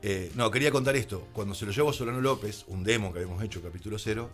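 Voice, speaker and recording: A man's voice: lowish voice, rapid-fire, soft background music. An Argentine man telling stories conversationally as a radio interview guest, slipping into reported dialogue as he goes. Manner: anecdotal, acts out reported dialogue. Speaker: guest, radio drama creator.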